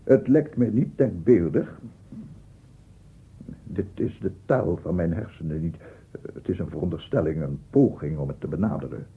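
An obsessive 67-year-old bachelor scientist, aggrieved, unstable, and self-justifying, delivers a radio drama monologue in a very hoarse, low voice. The heavily acted, expressive performance moves at a moderate pace, pedantic and defensive, insisting and repeating himself, on a muffled, phone-like old radio recording.

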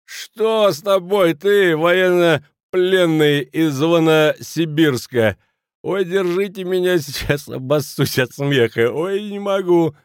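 A man's voice: sits high, slow, hardly any pauses, clean tone, dry recording, clean studio sound, pitched above the performer's own voice. A man voicing a big, crude drunk who bellows and jeers. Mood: jeering. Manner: jeering, bellowing, leering.

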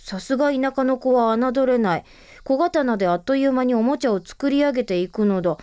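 A voice actress playing a bold, tomboyish teenage club leader, breezy and theatrical, in an anime audio drama. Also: female voice, high voice, fairly quick, warm tone, clean tone, no echo, clean studio sound, close to an everyday voice. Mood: reading aloud.

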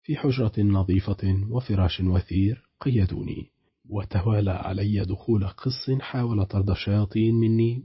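Husky low-voiced male audiobook narrator. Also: no room sound, highs cut off. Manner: steady, measured reading.

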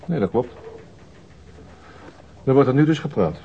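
An actor playing a calm, principled senior police detective in a radio drama, speaking in a measured, restrained and formal way. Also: male voice, mid-range voice. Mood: dry, patient. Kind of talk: naturalistic radio drama dialogue. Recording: dull, noisy old radio recording.

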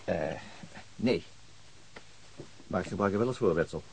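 An actor playing an awkward, polite police investigator in a radio drama, halting and often repeating himself. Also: male voice, low voice, expressive, vocal fry, darkish tone, a little hiss or hum, exaggerated voice, poor audio. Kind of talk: naturalistic radio drama acting.

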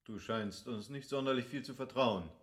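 An actor playing a practical, methodical gentleman planner in a literary radio play, explaining in formal phrases. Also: medium pitch, normal speed, lightly acted. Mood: mildly reproachful.

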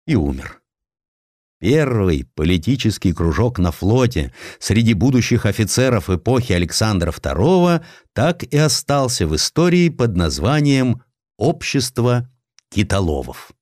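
A man narrating a historical audiobook dramatically and theatrically, with deliberate pauses. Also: on the low side, darkish tone, no room sound, clean studio sound.

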